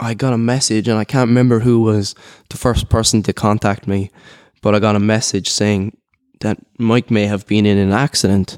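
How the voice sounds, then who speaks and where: In a Cork accent, a man speaks at a moderate pace with a fairly low pitch and monotone, flat intonation. The recording is very clean with a silent background, and the sound is dry and close with no echo. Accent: Cork Irish. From Ireland, Cork. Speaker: church elder. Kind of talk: personal testimony interview.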